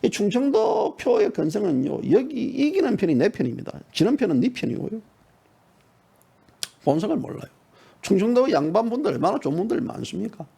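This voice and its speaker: A middle-aged man giving heated, mocking partisan political commentary, dropping to low mutters and jumping to sudden high shouts. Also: huge pitch swings, brisk, vocal fry, slightly rough.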